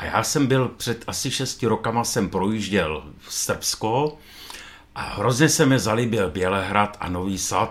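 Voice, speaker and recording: A man speaks at medium pitch with lively intonation. His pace is very slow. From eastern Bohemia, Czech Republic (Hradec Králové). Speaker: tourist. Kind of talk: interview. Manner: halting.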